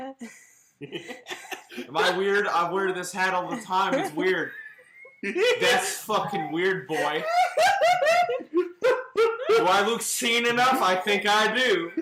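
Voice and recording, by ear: A put-on character voice, cackling at a very slow pace with a fairly high pitch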